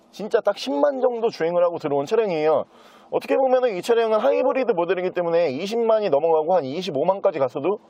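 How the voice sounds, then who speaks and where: A man giving an unscripted sales walkthrough as a used car dealer, with smooth, practised salesman patter. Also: high-pitched, dark tone, no room sound. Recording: dull, muffled lo-fi sound.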